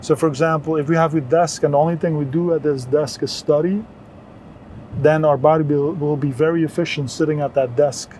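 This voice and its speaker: Higher-voiced mellow man from Belgium, explaining earnestly. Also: fairly even intonation, a little fast, a little hiss or hum. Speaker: interview guest, wellness entrepreneur. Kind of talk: conversational health advice.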